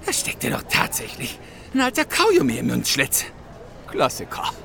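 An actor playing an easygoing ticket machine technician in a children's audio drama, casual and colloquial. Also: male voice, medium pitch, huge pitch swings, moderate pace, gravelly, pushed and bright, heavily acted. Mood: satisfied.

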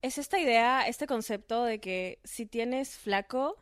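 Playful woman podcast host, fairly high voice. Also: a little slow, clean tone, no echo, studio quality. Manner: playful, piles on gushing compliments. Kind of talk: casual podcast chat.

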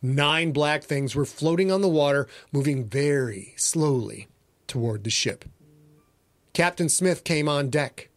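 A man's voice: on the high side, measured pace, dry recording. A man hosting and narrating his own podcast in a playful, theatrical way. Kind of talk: dramatic story reading and casual podcast talk.

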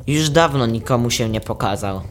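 A man's voice: medium pitch, moderate pace, background noise, close to an everyday voice. A young male performer playing a naive, earnest boy in a radio play. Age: child or teenager.

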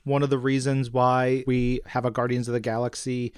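A man co-hosting a podcast, chatting informally and emphatically about comic-book news with excitable enthusiasm. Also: mid-range voice, moderate pace, smooth, dry recording, clean studio sound. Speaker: podcast co-host.

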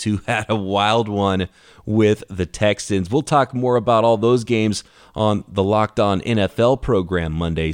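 A man hosting a solo sports podcast, talking through the game in an energetic, conversational way while his voice is worn from a cough. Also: on the low side, dry recording, studio quality. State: losing his voice from a lingering cough. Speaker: podcast host.

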